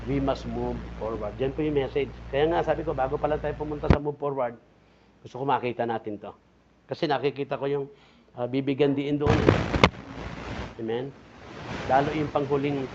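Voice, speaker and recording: Filipino pastor preaching with swelling emphasis. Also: male voice, on the high side, muffled recording, noisy background. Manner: preaching with rising and falling emphasis, repeated calls to the congregation. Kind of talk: sermon. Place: church.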